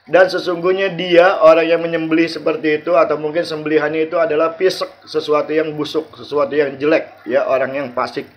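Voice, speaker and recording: A male religious teacher, leading an online class and explaining verses line by line. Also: fairly high pitch. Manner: explains verses line by line, asks and answers himself. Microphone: video call. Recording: muffled video call audio.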